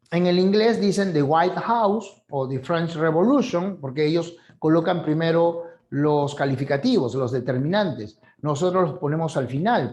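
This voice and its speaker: A man's voice: on the high side, a little mellow. Male teacher, Peruvian coastal accent, casual explanatory lesson delivery, engages the viewer directly. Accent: Peruvian coastal Spanish. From Peru. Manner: conversational, frequent "¿no?" tags, acts out examples.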